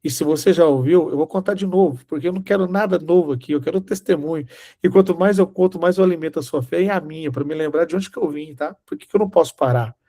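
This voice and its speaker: A man's voice: fairly high pitch, fast, warm tone. A man preaching a sermon, telling a personal story and acting out the dialogue. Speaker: Bible teacher.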